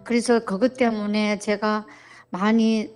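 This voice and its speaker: A woman in her forties, a church member telling her family troubles in a counseling interview, talking slowly and hesitantly. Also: medium pitch, level tone, smooth, faint music behind. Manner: slow, hesitant, soft-spoken.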